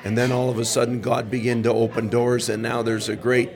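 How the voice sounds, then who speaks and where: A man's voice: mid-range voice, flat delivery, brisk, a crowd in the background. A man hosting a Christian podcast, interviewing a local pastor and affirming him with frequent amens. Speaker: podcast host. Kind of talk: interview on a mission trip.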